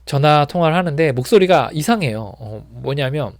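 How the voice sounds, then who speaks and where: A man's voice: a little high, lively intonation, normal speed, no echo, clean studio sound. A man counselling on addiction recovery, talking informally and rambling with many fillers and restarts. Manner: acts out shouting people when retelling. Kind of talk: informal talk to viewers.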